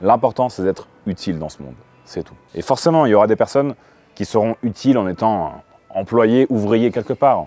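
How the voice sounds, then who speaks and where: A man's medium-pitched voice at a fairly quick pace, with ordinary pitch variation and big swings in loudness, dry, close sound with no echo, and noticeable background noise. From Russia. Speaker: online business coach and vlogger. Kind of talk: motivational talk with sales pitch. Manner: casual, emphatic.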